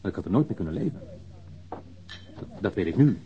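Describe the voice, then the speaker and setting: A man's voice: low-pitched, very animated, fairly quick. An actor in a radio drama playing a subdued, guilt-ridden man who speaks hesitantly and with reserve. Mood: regretful. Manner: hesitant, reserved, brief replies. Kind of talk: naturalistic Dutch radio drama acting. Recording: dull, band-limited old radio recording.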